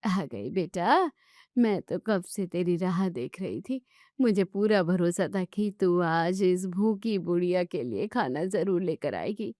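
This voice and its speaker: A woman voicing a lonely, hungry old neighbor woman who talks slowly and grumbles. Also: fairly low pitch, animated, mellow, no echo, studio quality. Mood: pleading.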